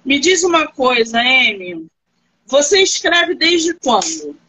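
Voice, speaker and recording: A woman, an author hosting a live-stream interview, animated and reassuring as she asks questions and tells stories. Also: high-pitched, takes it slowly, husky, poor audio.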